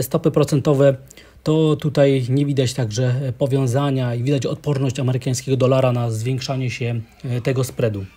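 A market analyst with a mellow, darker, medium-pitched voice gives steady commentary. He speaks in a measured way, often pausing with small hesitations while working through each chart.

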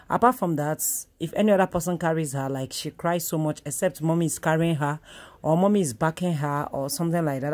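Filmed on a tripod camera in a small indoor kitchen, a woman in her thirties with a Nigerian accent, a mother who vlogs, talks chattily and repeats herself, with playful moments of self-praise. Her voice is low-pitched with a darkish tone, and the home recording is noisy.

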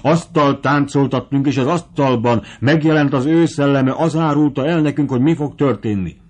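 A man voicing an agitated, pompous middle-aged captain's wife, speaking in a shrill, dramatic way. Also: lightly acted. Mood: alarmed, lamenting.

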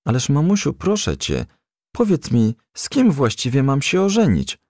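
Male reader as a young storybook firefly, shy, pleading, raised pitch, very swooping intonation. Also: huge pitch swings, moderate pace, darkish tone, no room sound, clean studio sound. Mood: reluctant, pleading.

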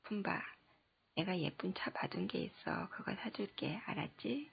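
A woman voicing a chatty, playful little girl in an audiobook, in a breathy, half-whispered childlike voice on a dull lo-fi recording. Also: lowish voice, expressive, measured pace, heavily acted.

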